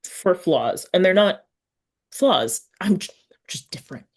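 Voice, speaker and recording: A woman with a clearly low-pitched voice hosts a casual, personal interview. She speaks earnestly and hesitantly, feeling her way toward each thought. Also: expressive, a little slow. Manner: hesitant, searching for words, earnest. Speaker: podcast interviewer.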